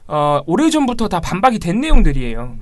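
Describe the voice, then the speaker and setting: A man, a media monitoring activist, commenting on news in a wry, relaxed way. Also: sits high, brisk, no room sound. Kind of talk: casual chat.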